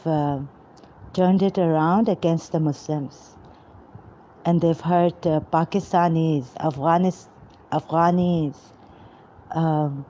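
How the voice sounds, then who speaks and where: A woman with a low, mellow voice speaks slowly in a rambling personal monologue, stopping often to search for words. The recording is dull and lo-fi, with a faint hiss behind her. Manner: halting, many pauses and fillers. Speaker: vlogger.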